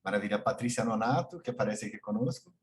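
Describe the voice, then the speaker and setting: This man hosts and moderates an online session over a video call, introducing guests one at a time. He has a Brazilian Portuguese accent and a lowish, expressive voice, talks fast, and there's a little hiss or hum on the line.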